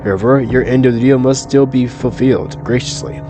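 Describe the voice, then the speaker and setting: A man voicing a female eldritch deity who speaks slowly and condescendingly, soothing yet menacing. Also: mid-range voice, steady tone, over music, lightly acted. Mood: stately, commanding. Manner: slow, courtly, condescending.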